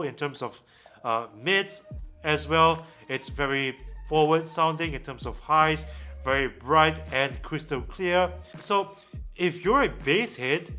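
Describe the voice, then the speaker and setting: A man presenting a product review as a vlog host, with deliberate phrasing and pauses for emphasis. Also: fairly high pitch, sharp tone.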